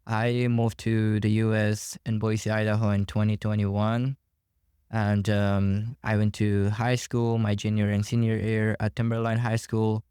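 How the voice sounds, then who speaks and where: A man's voice: on the low side, little pitch movement, a little slow, mellow, clean tone, dry recording, studio quality. A young man from Afghanistan, a student activist, introducing himself earnestly and formally. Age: young adult. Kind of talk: interview self-introduction.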